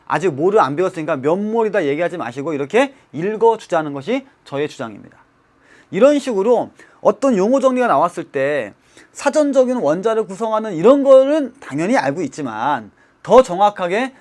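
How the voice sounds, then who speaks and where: Animated male chemistry lecturer. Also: sits high. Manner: animated, emphatic, repeats key terms and asks rhetorical questions. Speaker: chemistry teacher. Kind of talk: televised exam-prep lecture. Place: broadcast studio.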